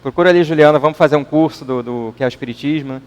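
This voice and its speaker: A man's voice: a little high, rapid-fire, a little mellow. Man giving a conversational talk, Brazilian accent. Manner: conversational, keeps adding questioning tags. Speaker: lecturer at a spiritist center. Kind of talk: informal public talk. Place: meeting hall. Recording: long reverb in a hall.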